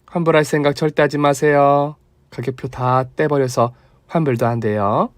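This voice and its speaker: A man voicing a generous, lively young daughter-in-law with a Gyeongsang dialect, earnest and teasing. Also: on the high side, moderate pace, no room sound, clean studio sound, natural voice. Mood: eager.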